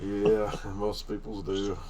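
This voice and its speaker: A man's voice: fairly low pitch, completely flat delivery, takes it slowly, a crowd in the background. Guy chatting on a trading stream, laid back, laughs a lot, sounds a little far from the mic. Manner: easygoing, laughs often, encouraging. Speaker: trading livestream host. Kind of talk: casual live-stream chat.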